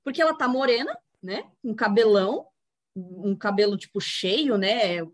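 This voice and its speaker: A woman with a Brazilian accent co-hosting a podcast, telling stories in animated, slangy casual chat. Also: medium pitch, a little slow, dry recording, studio quality. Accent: Brazilian Portuguese. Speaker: podcast co-host. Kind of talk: casual chat about a TV series.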